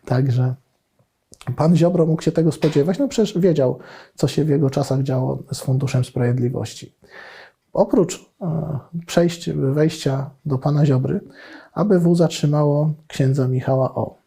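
Gravelly, dark-voiced male commentator. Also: fairly high pitch, a little slow. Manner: indignant, sarcastic, with frequent hesitations. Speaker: political commentator. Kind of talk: monologue commentary.

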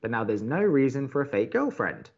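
Figure: earnest young college radio co-host. Delivery: lively, placating. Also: male voice, medium pitch, a little fast, highs cut off. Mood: reading letters. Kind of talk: audio drama dialogue.

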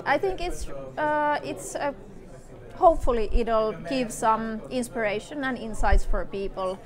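A woman's voice: a little high, a little slow, a crowd in the background. A woman from Finland, a nonprofit director, speaking in an upbeat, informative way in a documentary interview. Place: indoor room with plants.

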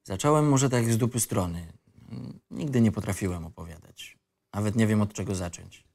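A man's voice: on the low side, normal speed, gravelly, a little mellow. An actor playing a disillusioned young man telling his life story in a colloquial, wry, rambling way. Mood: hesitant, reflective. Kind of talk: first-person narration in a screenplay reading.

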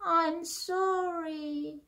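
A woman voicing a mischievous, whiny little boy in a picture book read aloud, with high squealing childish wails. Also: steady tone, extremely slow, sharp tone, heavily acted. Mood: sheepish.

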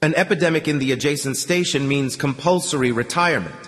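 A man voicing a panicking middle-aged station commandant with a hoarse, strained voice in an audiobook. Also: fairly high pitch, fast talker, fairly bright tone, voice pushed up, natural voice. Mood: desperate. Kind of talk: audiobook character voice. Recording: long reverb.

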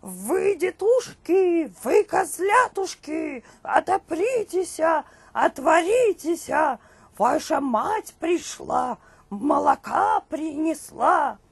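A woman voicing a big bad male wolf from a fairy tale with a loud, drawn-out wailing call. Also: sits high, very animated, vocal fry, no room sound, voice pushed up, full character voice. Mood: menacing coaxing.

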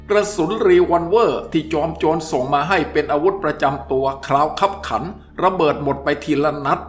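A man reads a thriller novel aloud in a vivid, dramatic audiobook style, leaning into the fights and gunfire. His voice sits a little higher than most men's. Faint music plays underneath the reading. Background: soft background music.

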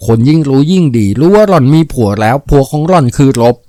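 A man narrating a novel aloud in a steady, vivid storytelling manner. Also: a little high, quick pace, dry recording, studio quality. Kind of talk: dramatic novel reading.

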